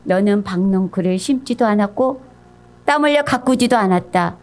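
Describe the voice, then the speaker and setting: A woman voicing God as a patient, loving father who gently questions and reproves. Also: medium pitch, moderate pace, close to an everyday voice. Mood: gently reproving.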